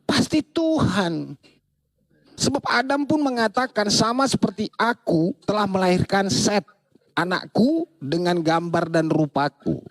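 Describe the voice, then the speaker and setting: A man's voice: high-pitched, measured pace, dry recording. Guy preaching hard in an online debate, voice swooping up and down, dry close sound. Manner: lively, preachy, talks over others, quotes scripture. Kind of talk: heated religious debate.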